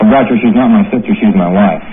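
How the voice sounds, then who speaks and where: A man from Massachusetts, a quiz contestant answering the host politely and a bit haltingly. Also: on the low side, crowd noise. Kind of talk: answering host's questions. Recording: tinny lo-fi old broadcast with hiss.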